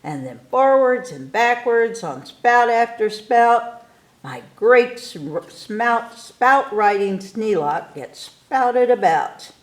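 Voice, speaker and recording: A woman reading a rhyming picture book aloud to children in an expressive, theatrical way, stretching key words for emphasis. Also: on the high side, takes it slowly. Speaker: story time reader.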